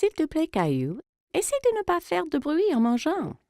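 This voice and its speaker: High, lilting cartoon mother. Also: huge pitch swings, normal speed, dark tone, no echo, clean studio sound, heavily acted. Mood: gently chiding. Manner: soothing, encouraging. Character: patient, gentle, reassuring young mother. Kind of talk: French children's cartoon dub.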